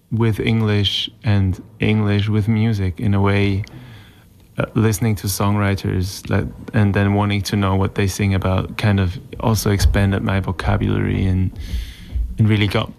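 A musician from Switzerland whose first language is Swiss German, speaking English in a relaxed interview and thinking aloud with frequent restarts. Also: male voice, on the low side, gravelly, slight background noise. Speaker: musician guest. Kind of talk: casual interview.

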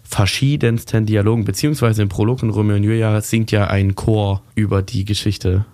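A man's voice: lowish voice, steady tone, moderate pace, a little mellow, no room sound. A man hosting a casual radio talk show, rambling and correcting himself as he chats about literature, laughing often. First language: German.

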